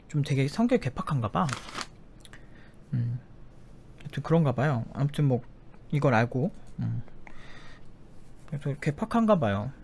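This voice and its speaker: A man's voice: a little high, darkish tone. A young man, a developer, telling a personal story in a casual monologue, bluntly, with frequent swearing, acting out the people he quotes. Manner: blunt, swears freely, acts out quoted voices.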